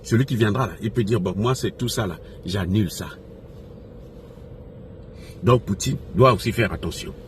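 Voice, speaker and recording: Passionate and unscripted, a man from Africa comments on politics in a fairly low voice, at a moderate pace broken by long pauses. Repeating phrases for emphasis, he poses rhetorical questions to his followers over a noisy backdrop of ambient sound.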